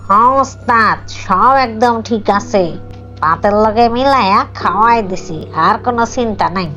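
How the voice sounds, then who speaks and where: A woman's voice: medium pitch, moderate pace, pushed and bright, highs cut off, faint music behind, natural voice. A woman playing a sly, obedient henchwoman in a cartoon, drawling in colloquial Bangladeshi Bengali. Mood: smug, reassuring. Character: sly, obedient female henchwoman of a child kidnapper. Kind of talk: cartoon dub.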